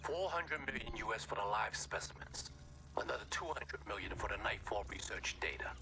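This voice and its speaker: An actor playing a calculating, merciless black-market buyer in a video game, formal, measured and aloof. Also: male voice, fairly low pitch, expressive, pushed and bright, a little hiss or hum. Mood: guarded, businesslike. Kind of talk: video game cutscene acting.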